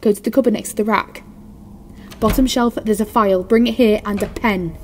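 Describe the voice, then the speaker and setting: An actress playing an injured, desperate research scientist with a blunt, sharp tongue and urgent manner in an audio drama. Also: female voice, medium pitch, fairly even intonation, brisk, slight background noise, natural voice. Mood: agitated.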